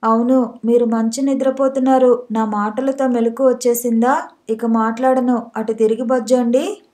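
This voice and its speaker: A woman's voice: on the high side, little pitch movement, moderate pace, mellow, close to an everyday voice. A woman voicing a playful young wife who coaxes and teases her husband in a storybook reading. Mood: teasing. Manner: coaxing, mischievous.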